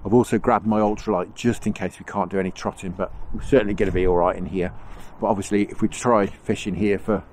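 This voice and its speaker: A stuffy-nosed man with a lowish voice talks his way through a fishing session by a river. He rambles along in an easygoing, chatty way, his nasal tone betraying a lingering cold. A faint hiss of wind sits behind him outdoors. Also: steady tone, fast, few pauses, a little mellow. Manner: chatty, rambling, chuckles often. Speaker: angling vlogger. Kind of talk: casual on-the-spot commentary. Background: faint wind noise.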